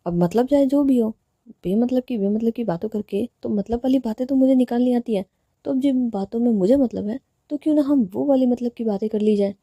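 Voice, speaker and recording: A woman's voice: on the high side, a little fast, dark tone, breathy edge, no room sound, clean studio sound. A woman voicing a playful, teasing young woman in love who coaxes and plays with words. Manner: teasing, coaxing, wordplay.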